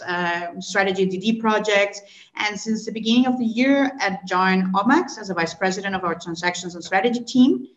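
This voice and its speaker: Colombian-born woman in her thirties, explanatory guest, average pitch, dull echoey call audio. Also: a bit bright. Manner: fluent, explanatory, frequent "right?" and "um" fillers. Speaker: guest, consulting executive. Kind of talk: podcast interview answers.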